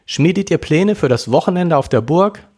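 A man's voice: on the high side, lively intonation, normal speed, husky, pitched above the performer's own voice. A man voicing an upset teenage girl who snaps and fights back tears, in a reading of a story. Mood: friendly. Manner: sharp, tearful outbursts.

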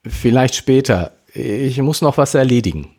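A man's voice: mid-range voice, animated, normal speed, darkish tone, pitched above the performer's own voice, close to an everyday voice. A man voicing a distracted, reserved teenage girl in a story, speaking curtly. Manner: curt, withdrawn.

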